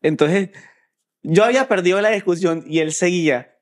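A man's voice: sits high, moderate pace. A young man, chatting and teasing casually. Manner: joking, teasing, relaxed banter. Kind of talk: casual chat.

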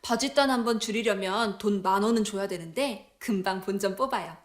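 A woman's voice: medium pitch, fairly quick, a little hiss or hum. A woman speaking as a customer in an infomercial testimonial.

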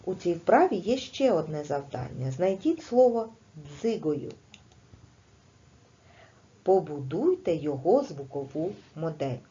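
A woman teaching a primary school class in a recorded video lesson, explaining slowly and clearly with patience. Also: deep voice, very animated, mellow, muffled recording.

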